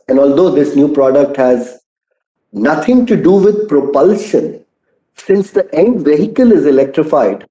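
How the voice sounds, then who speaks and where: A man with an Indian accent giving a prepared earnings call presentation as a company executive, measured and articulate, with deliberate emphasis. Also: a little high, mellow. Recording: muffled, echoey conference call audio.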